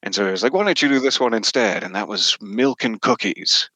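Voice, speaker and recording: A man with a slightly low voice and a bright, crisp edge, recorded dry and close. He talks as an interview guest in a chatty, reflective way, dropping in wry asides. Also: fairly quick, dry recording. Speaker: podcast guest, horror narrator and voice actor. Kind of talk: casual interview chat.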